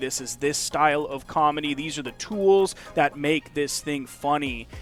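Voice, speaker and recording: A plain, everyday voice, this man has a fairly high pitch and an American accent, speaking at a moderate pace with ordinary pitch variation. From Texas. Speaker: esports caster. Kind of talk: casual chat.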